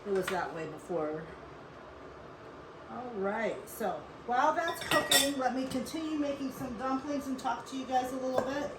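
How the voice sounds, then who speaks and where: A woman's voice: high voice, normal speed. A woman from Western Pennsylvania hosting a casual cooking demonstration, chatty and instructive, with frequent asides. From Western Pennsylvania, USA. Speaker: cooking show host. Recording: echoey room with clear background noise.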